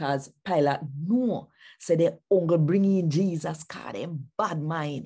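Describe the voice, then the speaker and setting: A woman with a Jamaican accent speaks very slowly in a fairly low, dark and mellow voice that is somewhat breathy, her intonation lively. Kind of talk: scripture reading.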